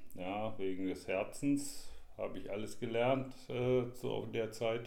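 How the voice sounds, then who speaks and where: A man speaks at a very slow pace in a dark, mellow tone. His pitch varies in an ordinary way, and audible room echo surrounds him. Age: 60s. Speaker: language teacher. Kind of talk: interview. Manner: hesitant with fillers.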